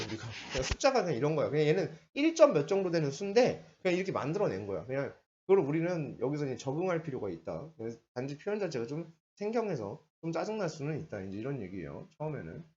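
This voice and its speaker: Lively chatty male math teacher, lo-fi. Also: on the high side. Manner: chatty, switches between polite and casual speech. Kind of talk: casual blackboard lecture. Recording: dull lo-fi lecture recording.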